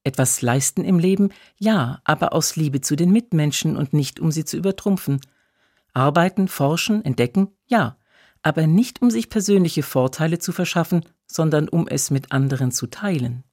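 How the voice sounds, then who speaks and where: A preacher giving a scripted radio devotional, measured in delivery, slowing down to stress key phrases and reading scripture solemnly. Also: mid-range voice, lively intonation, a little mellow, dry recording, studio quality.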